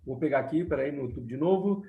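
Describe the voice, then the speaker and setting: A man's voice: a little high, fast, gravelly, roomy sound, phone-quality sound. A man hosting a live Q&A, reading viewer questions aloud to his guests. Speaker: host. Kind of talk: live Q&A moderation.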